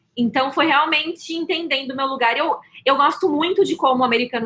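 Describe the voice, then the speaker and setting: With a bright, sharp tone, a woman speaks using ordinary pitch variation. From Brazil, interior of São Paulo state. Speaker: tech professional, community co-founder. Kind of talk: panel interview.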